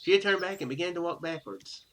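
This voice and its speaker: A man's voice: sits high, quick pace, a bit bright, slight background noise. A man hosting a gaming video, reading a visual novel's text aloud and dropping in casual, offhand comments. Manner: ad-libs offhand remarks, casual and informal.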